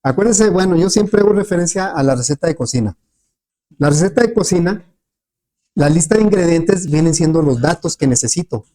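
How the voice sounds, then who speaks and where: A man's voice: a little high, expressive, a little fast, warm tone. A man teaching a class, patiently checking in with students through frequent questions. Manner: patient, with many fillers and restarts. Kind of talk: classroom lecture.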